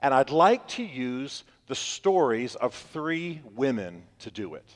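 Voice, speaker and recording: With an American accent and lively intonation, a man talks at medium pitch in an unremarkable speaking voice on a very clean recording with a silent background. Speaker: author and speaker. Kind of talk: TEDx talk.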